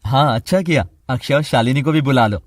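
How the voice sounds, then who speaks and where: A man's voice: medium pitch, a little fast, dry recording, studio quality. A man acting in a family drama, speaking in a scolding, indignant way.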